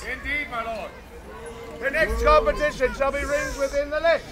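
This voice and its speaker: A pompous herald of a knightly tournament , acted by a man, declaims in formal olde renaissance fair speech. The voice is pitched extremely high and projected grandly. An outdoor crowd is clearly audible around it. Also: moderate pace. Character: pompous male herald announcing a knights' joust. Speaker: joust announcer.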